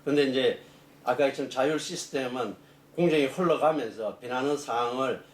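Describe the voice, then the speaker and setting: A man's voice: mid-range voice, normal speed, echoey room. A middle-aged man, an engineering professor, answering interview questions in long explanations full of fillers and restarts.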